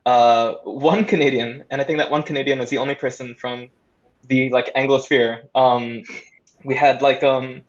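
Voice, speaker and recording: A man's voice: medium pitch, steady tone, normal speed. A man speaking casually and chattily from a remote call as a panelist on audio fiction. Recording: dull lo-fi online call.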